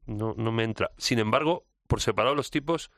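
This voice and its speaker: A man's voice: mid-range voice, brisk, fairly bright tone, dry recording, clean studio sound. A man with a Castilian Spanish accent hosting a casual podcast conversation. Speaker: podcast host. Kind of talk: casual chat.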